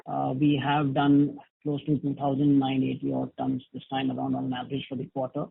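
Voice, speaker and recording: A man speaking as an analyst, politely and haltingly putting questions on an earnings call. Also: medium pitch, completely flat delivery, creaky, husky. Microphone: phone conference call. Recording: muffled, narrow phone line.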